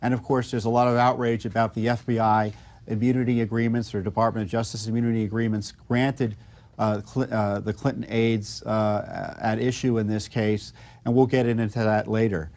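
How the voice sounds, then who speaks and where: A man with an American accent speaking off the cuff as a political commentator, measured and halting, making pointed arguments. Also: fairly low pitch, flat delivery, a little mellow.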